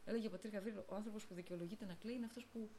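A woman's voice: mid-range voice, fairly even intonation, mellow, slight background noise, poor audio. A middle-aged woman, an abbess, giving a spoken talk on faith through spontaneous personal anecdotes, voicing the people in her stories. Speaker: abbess of a convent, guest speaker.

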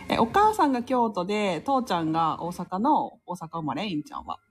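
A woman's voice: medium pitch, big pitch swings, moderate pace, a little hiss or hum. A woman hosting a casual live stream, chatting, laughing often and reading listener comments aloud.

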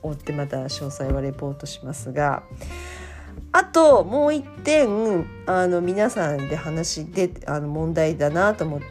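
Chatty woman with a lively pitch. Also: measured pace, soft background music. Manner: chatty, laughs often, lots of fillers. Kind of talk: casual chat.

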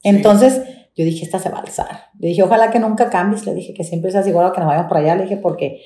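A woman's voice: fairly low pitch, fast talker. A Mexican woman, a domestic worker, telling her story in an interview and acting out the dialogue as she goes. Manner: animated retelling, acts out quoted dialogue. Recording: roomy echo.

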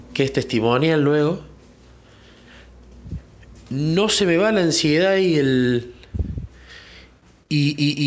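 Man, slightly higher voice, earnest faith testimony, reflective, searching for words. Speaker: church member giving testimony.

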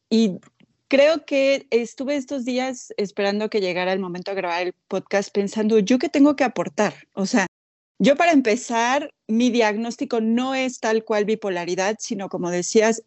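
Mexican woman, podcast guest, mid pitch, dry close sound, hesitant and thoughtful. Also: normal speed, a little mellow, no echo. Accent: Mexican Spanish. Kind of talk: casual personal storytelling.

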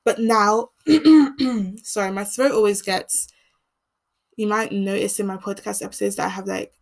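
A young woman from England hosting a podcast, speaking in an earnest, measured monologue, with a voice that turns croaky as she keeps talking. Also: mid-range voice, fairly even intonation. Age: teens. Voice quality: croaky voice when speaking long. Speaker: podcast host. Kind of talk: reflective solo monologue.

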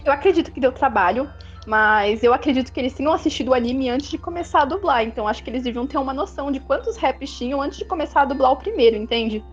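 High-pitched, firm Brazilian woman. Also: lively intonation, quick pace. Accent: Brazilian Portuguese. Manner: firm, critical, explains at length. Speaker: co-host. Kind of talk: casual livestream chat. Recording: dull lo-fi stream audio with faint music.

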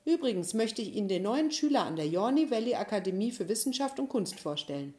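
Woman doing a bright, eager schoolboy. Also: fairly high pitch, very animated, fast talker, pitched above the performer's own voice. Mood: eager polite. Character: polite, eager schoolboy helper.

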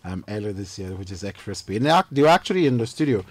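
A man hosting a radio talk show from the studio, energetic and playful, asking rhetorical questions. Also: fairly low pitch, racing, no room sound. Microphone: studio mic.

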